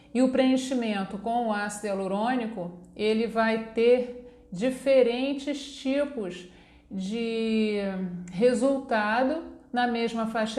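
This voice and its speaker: A woman's fairly high voice, dark and mellow in tone, with fairly even intonation and audible room echo. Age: 60s. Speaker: dermatologist. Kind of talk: educational talk. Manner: casual, with fillers.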